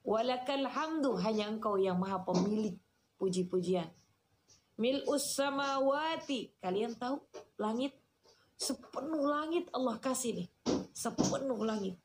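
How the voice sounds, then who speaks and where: A woman, giving a lively, chatty sermon and answering questions from the audience. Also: a little high, unhurried, a little hiss or hum. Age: 40s. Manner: chatty, teasing, addresses listeners as "Kak". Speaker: Islamic preacher.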